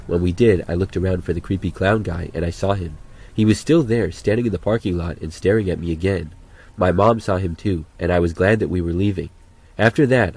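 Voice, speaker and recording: A man's voice: sits low, darkish tone, husky. A man narrating a first-person creepy story in a plain, matter-of-fact way.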